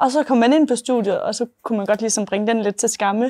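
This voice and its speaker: A woman's very fast delivery with a dark, mellow tone and fairly even intonation. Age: 20s. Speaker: engineer. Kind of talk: casual chat. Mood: cheerful, smiling. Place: studio.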